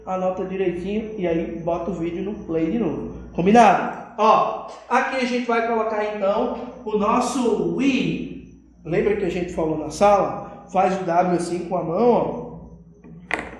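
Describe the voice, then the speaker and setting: A woman's voice: mid-range voice, a little slow, a little mellow. A woman teacher with a Brazilian accent giving a video lesson to children, patient and checking they follow along. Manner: patient, keeps checking understanding with tag questions. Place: classroom with a whiteboard. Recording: very echoey room.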